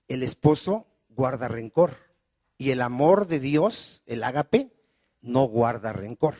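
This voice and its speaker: A man's voice: on the high side, dark tone, no echo. A man preaching a sermon as pastor, often asking the congregation questions and calling for amens. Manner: preaching with call-and-response questions.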